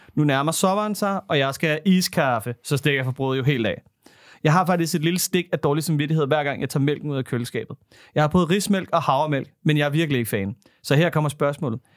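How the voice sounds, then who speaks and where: A man with a normal speaking voice and a fairly high pitch talks at a fairly quick pace with ordinary pitch variation. The sound is dry with no echo, over a quiet background. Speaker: podcast co-host. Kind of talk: casual chat. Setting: studio. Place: studio. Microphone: new microphones; studio mic.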